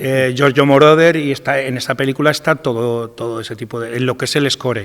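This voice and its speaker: A man talks at a fairly quick pace with fairly even intonation and a medium pitch. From Huesca, Aragon, Spain. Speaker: film composer. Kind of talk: panel discussion. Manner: halting, many fillers and repetitions.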